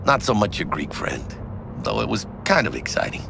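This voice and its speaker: An actor playing a brash, hot-blooded street mercenary in a video game, with a gravelly Latino American accent and cocky slang. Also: male voice, fairly low pitch, very animated, moderate pace, noisy background, exaggerated voice. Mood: cocky, excited.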